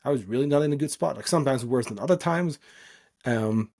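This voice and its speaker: A man from the Netherlands whose first language is Dutch speaks at a medium pitch. He talks off the cuff like a podcasting coach, informal and earnest. He leans on his points with emphasis, in a motivational solo style. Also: fairly quick, darkish tone.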